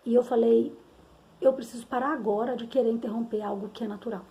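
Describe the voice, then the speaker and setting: A middle-aged woman with a Brazilian Portuguese accent tells a personal story about being a mother, her voice fairly high, steady, fast and warm. She's candid and rambling, often ending sentences with tag questions.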